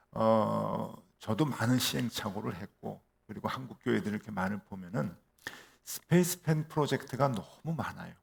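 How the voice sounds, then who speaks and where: 중년 남자 목사가 교회에서 "어" 같은 추임새와 반문을 섞어 가며 이야기를 들려주듯 설교한다. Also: male voice, fairly low pitch, creaky. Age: middle-aged. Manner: storytelling with fillers and rhetorical questions. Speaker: pastor. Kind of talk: sermon. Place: church.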